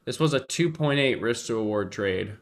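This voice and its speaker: A man's voice: mid-range voice, animated, moderate pace. A man with a congested nose talks casually on his live stream. He thinks aloud, talks to his chat and often trails off. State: congested, sniffling. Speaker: livestream trader. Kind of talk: casual livestream commentary.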